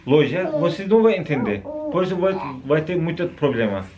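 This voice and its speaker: A man from Turkey, a native Turkish speaker, chatting in halting, simple non-native phrasing as a co-host. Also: fairly high pitch, sing-song, highs cut off, crowd noise. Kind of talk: casual chat.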